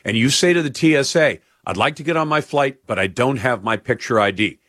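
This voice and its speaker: A man's voice: mid-range voice, brisk, fairly bright tone, no echo, clean studio sound. A man hosting a talk radio show, holding forth with emphasis and acting out quoted exchanges. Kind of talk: opinionated radio monologue and call-in.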